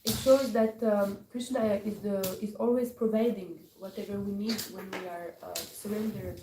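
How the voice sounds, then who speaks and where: A woman's voice: medium pitch, fairly even intonation. Hesitant woman speaking in an echoey temple hall. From Morocco. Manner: hesitant, searching for words with many pauses. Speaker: class speaker. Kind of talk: scripture class talk. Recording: echoey hall from far off, faint noise.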